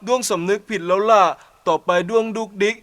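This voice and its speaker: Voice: medium pitch, fairly quick, a bit bright, lightly acted. A performer voicing a mischievous boy beetle in a children's storybook play, whining and copying the others. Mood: sorry.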